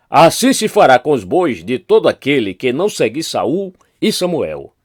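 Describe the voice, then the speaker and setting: A Brazilian pastor reads scripture aloud with a lively, swinging pitch, his voice rising for every quoted line. The sound is dry and close, with no room around it. His pitch sits in the middle range for a man. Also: dry recording. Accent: Brazilian Portuguese. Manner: expressive reading, lifts voice for quoted speech. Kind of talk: Bible reading.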